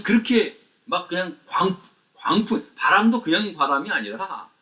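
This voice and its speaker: A male pastor gives a lively, conversational sermon, his pitch rising and falling widely as he presses the listeners with questions. He is picked up from some distance away from the mic, so the voice sounds set back in the room. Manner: conversational, animated preaching with rhetorical questions. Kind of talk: sermon at a morning prayer meeting.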